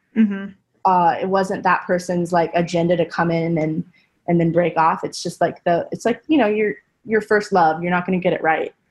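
This woman has an unremarkable speaking voice with a fairly low pitch. She talks at a moderate pace with fairly even intonation. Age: 30s. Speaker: dog training facility owner. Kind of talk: casual interview chat.

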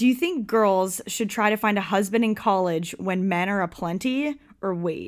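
A woman has a normal speaking voice at a medium pitch with ordinary pitch variation. The recording is very clean, with a silent background. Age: 20s. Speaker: podcast co-host. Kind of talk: casual chat. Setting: at home on the couch. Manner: laughs often.

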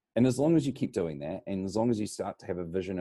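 A man with a fairly low pitch and a dark, mellow tone talks at a very fast pace with lively intonation, the sound dry and close with no echo. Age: 40s. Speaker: entrepreneur. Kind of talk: interview.

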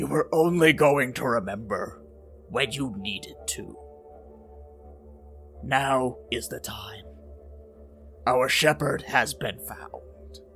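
Over clear music in the background, a man puts on a character voice at medium pitch, speaking at a very slow pace with long, frequent pauses. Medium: actual play. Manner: grave, measured.

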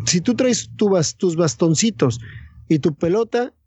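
With lively intonation, this man speaks at a very slow pace. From Tijuana, northern Mexico. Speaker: golf course architect. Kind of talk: interview. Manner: halting, many fillers.

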